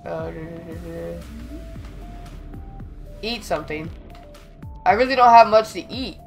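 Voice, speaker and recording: A young man with a slightly raspy voice from being sick, chatting excitedly as he plays and talks back to the game. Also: high voice, a little slow, soft background music. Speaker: gaming channel host. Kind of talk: casual gameplay commentary.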